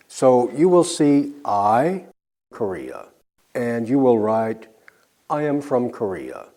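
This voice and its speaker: A man teaching an English lesson, drilling example sentences slowly and clearly with pauses for learners to answer. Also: mid-range voice, a little mellow. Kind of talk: slow scripted language lesson.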